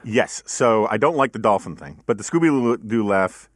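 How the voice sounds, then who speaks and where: Deep-voiced man, rambling podcast host. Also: lively intonation, normal speed, dry recording, clean studio sound. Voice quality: deep voice with a giggly laugh. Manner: rambling, self-deprecating, many ums and uhs. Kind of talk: casual studio chat.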